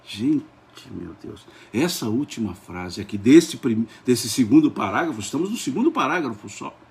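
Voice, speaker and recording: A man with a Brazilian Portuguese accent leading a Spiritist study lesson, hoarse since vocal cord surgery, moving between quiet asides and raised, enthusiastic reading of the text. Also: medium pitch, sing-song, moderate pace.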